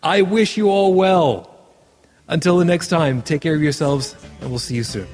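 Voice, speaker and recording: A man's voice: fairly high pitch, normal speed, a little mellow, long reverb tail, soft background music. A man hosting a podcast, chatting casually in a rambling way with many fillers and signing off the show. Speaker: podcast host. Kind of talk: casual chat and show sign-off.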